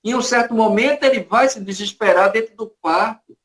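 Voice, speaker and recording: A man's voice: high-pitched, a little fast, fairly bright tone. A man with a Brazilian accent giving a spiritist lecture, telling stories with dramatic emphasis. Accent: Brazilian Portuguese. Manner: storytelling, dramatic, varied emphasis.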